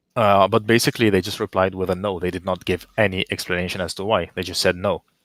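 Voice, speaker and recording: On a very clean recording with a silent background, a man with a non-native accent and a very deep, low pitch speaks very fast in a flat monotone. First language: not English. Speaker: online game alliance council member. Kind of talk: interview on live stream. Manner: halting, many fillers and restarts.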